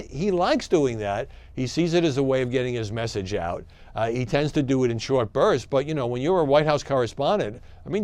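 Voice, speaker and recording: A man delivers opinion commentary in a mid-pitched voice. His delivery is conversational and a little halting, with emphatic key words, in a dry recording. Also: a little mellow, no echo. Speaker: media commentator.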